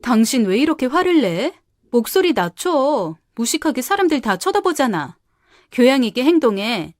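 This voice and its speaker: A woman's voice: high-pitched, very animated, normal speed, no echo, studio quality. A woman playing a selfish, scornful young wife who wheedles and then snaps back defensively. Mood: indignant. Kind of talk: audio drama.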